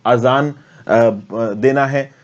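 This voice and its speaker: A man's voice: mid-range voice, fairly even intonation, extremely slow, highs cut off. An Indian man giving an explanatory current affairs lecture in a conversational, step-by-step manner, mixing in English terms. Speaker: teacher, current affairs educator.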